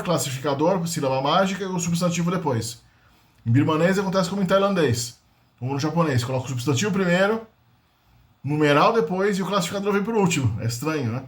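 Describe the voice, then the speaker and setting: A man giving an informal linguistics lesson, explaining patiently and sounding out foreign words. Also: on the high side. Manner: explains slowly with many fillers and restarts, sounds out foreign words. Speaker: linguistics channel host.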